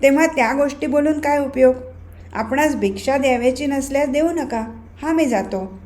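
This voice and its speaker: A serene young boy ascetic speaks gently and steadily in a storybook reading, as a woman narrator puts him on. His voice drops lower and softer than the narration around it. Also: natural voice. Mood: calm. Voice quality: gentle, calm, measured.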